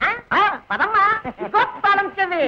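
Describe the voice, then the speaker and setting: An actor playing a bossy, teasing village police constable in a comic film scene. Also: male voice, very high-pitched, very animated, moderate pace. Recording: lo-fi old film soundtrack, crowd behind.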